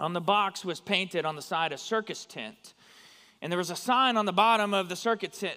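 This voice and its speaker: A man projects a raised voice with a bright, sharp tone and ordinary pitch variation. He talks at a very fast pace over a quiet background. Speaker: preacher. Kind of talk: sermon. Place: church.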